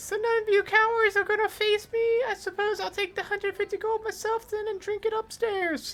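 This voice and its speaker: A squeaky, put-on character voice chatters at a fairly quick pace with an extremely high pitch. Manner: berating, taunting.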